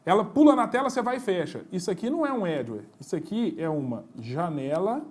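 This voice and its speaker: A man's voice: high voice, sing-song, a little fast. A man, teaching an informal exam-prep lecture in a blunt, slangy way, talking straight to his students.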